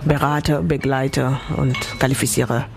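A woman's voice: rumbling low, level tone, a little slow, vocal fry, crowd noise. A woman who worked in Senegal, now an adult-education seminar leader, speaking thoughtfully and qualifying her points. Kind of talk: interview statement.

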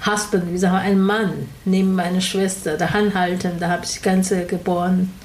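A woman with a Chinese accent, a native Chinese speaker, talking in an interview in halting speech, pausing to find words and correcting herself. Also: fairly low pitch, level tone, a little mellow, a little hiss or hum, poor audio. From Taiwan. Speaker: interviewee, opera singer. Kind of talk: casual interview chat.

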